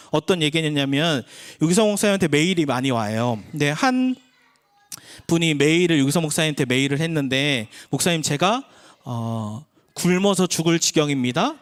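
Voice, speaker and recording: A man in his thirties preaching a sermon as a pastor, talking with the congregation in a conversational way and acting out the people he quotes. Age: 30s. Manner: conversational preaching, acts out quoted voices with shifts in pitch. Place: church sanctuary.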